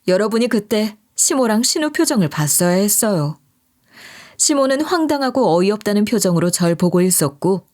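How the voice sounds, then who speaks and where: Brief: woman storyteller, scripted first-person narration, lively rise and fall. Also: mid-range voice. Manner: expressive, conversational storytelling.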